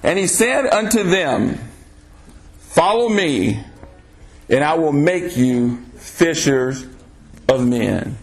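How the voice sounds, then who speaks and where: A man preaching a sermon on a podcast, reading scripture aloud and pressing listeners with rhetorical questions. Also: animated. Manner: slow, emphatic delivery with sudden pitch swings.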